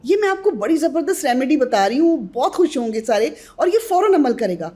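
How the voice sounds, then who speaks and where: A woman's voice: sits high, very animated, mellow. A woman who is a guest on a podcast interview, earnestly advising mothers on newborn care and addressing them directly.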